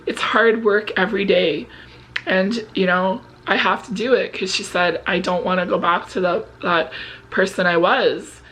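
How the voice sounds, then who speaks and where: A woman's voice: medium pitch, steady tone, measured pace, a bit bright, poor audio. Woman near fifty chatting over background noise. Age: 49, turning fifty. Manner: earnest, confessional. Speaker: vlog host. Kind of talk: casual personal chat to viewers.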